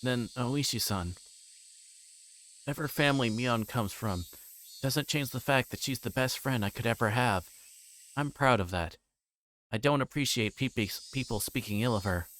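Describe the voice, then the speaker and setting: A man's voice: mid-range voice, moderate pace, long pauses, a bit bright, slight background noise, natural voice, low-quality recording. Man playing an earnest, defensive teenage boy. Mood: quietly angry.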